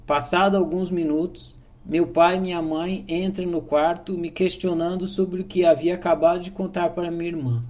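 A man's voice: fairly high pitch, a little mellow. A man with a Brazilian Portuguese accent, reading a personal diary entry aloud in an earnest, reflective way. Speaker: diary narrator.

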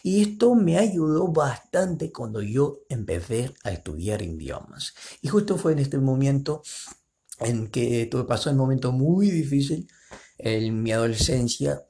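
A man's voice: mid-range voice, expressive, a little slow, warm tone. Brazilian guy in his 20s doing a chatty solo podcast, jokey and all over the place. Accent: Brazilian Portuguese speaker, mixing in an Argentine lilt. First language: Portuguese. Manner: rambling, playful, self-mocking, switches into put-on voices. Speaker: podcast host. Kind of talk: casual solo podcast talk.

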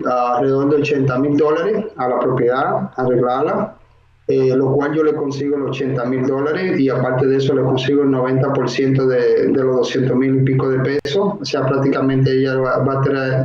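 A man's voice: mid-range voice, steady tone. Dominican man, roomy lo-fi recording. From Dominican Republic. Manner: slow, explanatory, many filler sounds. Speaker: guest, mortgage broker and investor. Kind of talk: interview answers. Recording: roomy, dull lo-fi sound.

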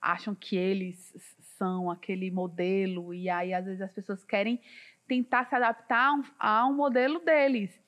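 A woman interviews her guest, putting long, searching questions full of pauses and fillers. Her voice sits at an everyday middle pitch. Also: steady tone, fairly bright tone, lo-fi sound. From Northeast Brazil.

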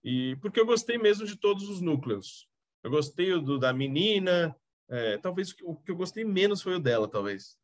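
A man's voice: high voice, sing-song, moderate pace, no echo. A man with a Brazilian accent chatting casually as a podcast co-host, coughing now and then while talking through a TV episode. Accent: Brazilian Portuguese. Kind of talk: casual chat reviewing a TV series.

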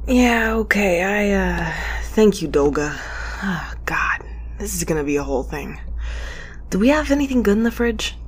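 A woman's voice: medium pitch, lively intonation, moderate pace, slightly rough. A woman playing a casual, wry young space courier who rambles informally in an audio drama. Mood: groggy, casual. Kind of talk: naturalistic audio drama acting, logging aloud.

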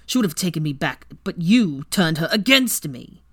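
A woman's voice: deep voice, sing-song, normal speed, slightly rough, exaggerated voice. A woman reading a story aloud, voicing a bitter, hateful man who spits out his accusations in an angry snarl. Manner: angry, spitting, vehement.

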